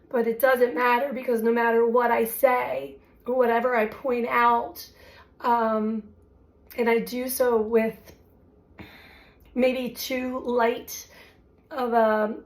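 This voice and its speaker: A woman with a somewhat high but flat, even voice speaks slowly and reflectively, pausing often as she searches for words. Her voice is still recovering from being lost to illness. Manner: slow, halting, reflective, many fillers. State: recovering from voice loss. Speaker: spiritual astrology channel host. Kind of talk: unscripted spiritual talk to camera.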